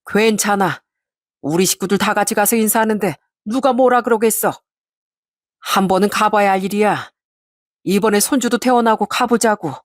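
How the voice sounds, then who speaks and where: A woman playing a warm-hearted, middle-aged father who speaks gently and coaxingly. His voice sits at a mid pitch and is heard close and dry. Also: normal speed, no room sound, natural voice. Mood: calm.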